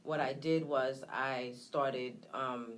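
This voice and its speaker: A woman's voice: rumbling low, steady tone, a little hiss or hum. A woman from Trinidad, raised in Brooklyn, speaking candidly and hesitantly as an interview guest. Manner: candid, reflective, hesitant with many pauses. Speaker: guest, nonprofit founder. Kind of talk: personal testimony in an interview.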